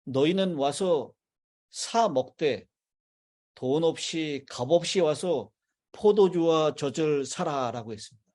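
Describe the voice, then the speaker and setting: A male pastor delivers a sermon from the pulpit of a church. His voice sits a touch high and he speaks in measured phrases, stopping to ask the congregation questions and wait for their answers. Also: lively intonation, darkish tone. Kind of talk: sermon with congregation call-and-response. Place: church sanctuary.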